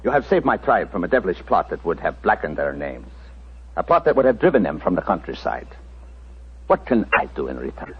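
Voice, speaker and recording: Very deep, husky old gypsy chief. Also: male voice, very animated, brisk, full character voice. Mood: grateful, solemn. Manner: formal, declamatory, weighty. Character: proud, solemn Romany tribal leader, older man. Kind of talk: 1940s radio drama acting. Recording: muffled 1940s radio recording.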